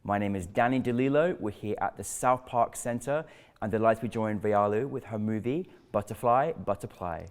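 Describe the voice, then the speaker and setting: A man's voice: fairly low pitch, brisk. A man hosting a film interview, effusive and enthusiastic, rambling as he praises the film. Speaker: interview host. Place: indoor venue.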